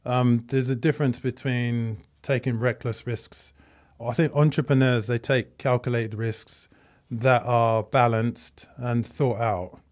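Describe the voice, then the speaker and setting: A man speaking as a podcast guest, measured and deliberate. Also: medium pitch, fairly even intonation, a little mellow. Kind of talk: conversational interview.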